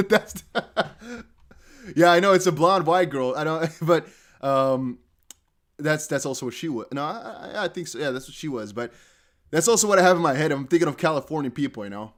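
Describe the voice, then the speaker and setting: Young man, from the Netherlands, casual livestream chat, rambling, slightly high voice. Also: lively intonation, brisk. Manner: rambling, laughs often, many fillers. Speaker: crypto livestream host. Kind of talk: casual live stream chat.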